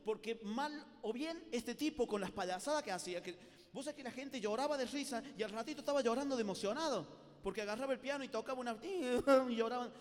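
A man with a Córdoba Argentine accent gives a lively retreat sermon to young people. He talks like an animated showman and acts out scenes in a high voice. His words ring out with a long reverb in a large hall. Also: fast talker. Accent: Córdoba Argentine Spanish. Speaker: Catholic youth preacher.

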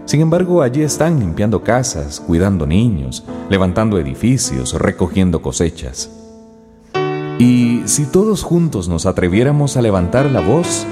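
A man's voice: lowish voice, big pitch swings, moderate pace, music in the background. A man giving solemn, rhetorical scripted narration.

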